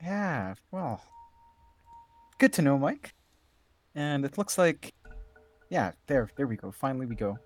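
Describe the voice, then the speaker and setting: A man from Southeast Asia with a Southeast Asian English accent, giving relaxed, analytical esports color commentary. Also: medium pitch, a little slow, pauses often, no echo, faint music behind. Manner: relaxed, easily amused, thinking aloud. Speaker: esports co-caster.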